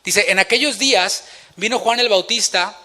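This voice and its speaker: A man's voice: high-pitched, normal speed, sharp tone. A man preaching a sermon as pastor in a church, asking rhetorical questions and acting out the quotes he tells.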